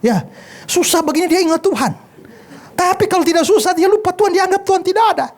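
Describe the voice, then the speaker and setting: A man's voice: extremely high pitch, quick pace, voice pushed up. A man doing gossipy, mocking angels. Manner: mocking, chatty.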